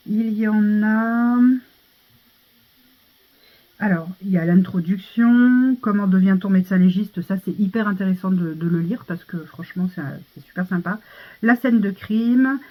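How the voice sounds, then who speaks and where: French woman vlogger, casual and rambling, slow delivery, phone-quality recording. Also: mid-range voice. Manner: chatty, many fillers and restarts. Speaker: vlogger reviewing monthly favourites. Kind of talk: casual chat. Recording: tinny phone-like sound.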